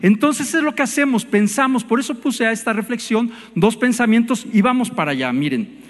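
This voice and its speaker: A man's voice: very high-pitched, animated, a little fast, in a large hall. A man preaching a sermon in a conversational way, asking his congregation questions.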